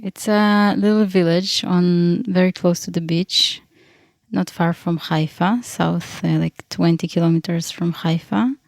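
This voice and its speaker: Slow, hesitant woman from Ukraine. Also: on the low side, steady tone, gravelly, no echo, studio quality. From Ukraine, raised in Israel. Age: 30s. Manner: thoughtful, hesitant, searching for words. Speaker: guest. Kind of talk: casual interview.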